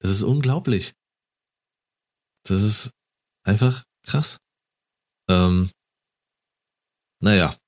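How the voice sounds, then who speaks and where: A man with a very low, deep voice chats casually about football. He retells the game with enthusiasm and grows animated at the highlights. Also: extremely slow, long pauses. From Germany.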